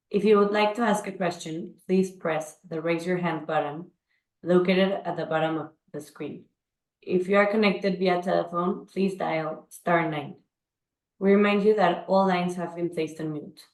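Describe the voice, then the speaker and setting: Lady call operator, lowish voice, formal scripted lines, echoey. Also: moderate pace. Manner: formal, procedural. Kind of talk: scripted announcements. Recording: roomy, echoing call audio.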